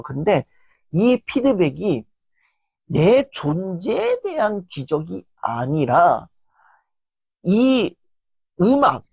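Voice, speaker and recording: A woman giving a motivational lecture in a lively, animated way, often acting out quotes. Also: lowish voice, gravelly, breathy edge, dry recording. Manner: animated, acts out quoted lines.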